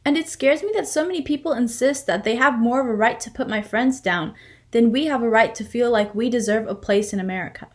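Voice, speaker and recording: A woman's voice: fairly high pitch, brisk. A young adult woman performing a scripted first-person monologue in a reader's theater style.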